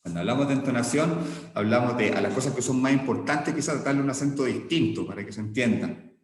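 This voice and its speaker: A man's voice: mid-range voice, fast talker. A man teaching an online class, explaining step by step with frequent check-ins and small restarts. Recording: echoey room with long reverb.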